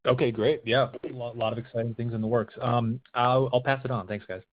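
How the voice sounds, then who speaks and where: A man's voice: medium pitch, fairly even intonation, fairly quick. A man asking questions as a financial analyst on a phone call, with hesitant, tentative phrasing. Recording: narrow, tinny phone line.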